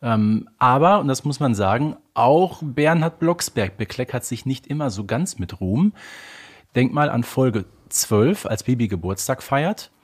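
Slightly husky man, colloquial podcast co-host. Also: mid-range voice, animated, unhurried. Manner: colloquial, emphatic, uses punchy idioms. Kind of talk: casual conversational podcast discussion.

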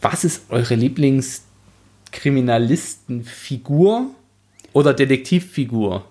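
A man's voice: medium pitch, slow pace, warm tone. A man chatting casually in a colloquial, wry way. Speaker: book podcast panelist. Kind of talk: casual chat.

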